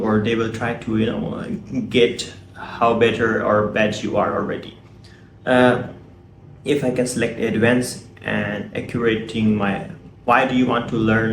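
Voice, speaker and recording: Low-voiced man teaching English. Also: echoey room, a little hiss or hum. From Pakistan. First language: Urdu. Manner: explanatory, often ends with a tag question. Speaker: English tutor and app reviewer. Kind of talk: tutorial screen walkthrough.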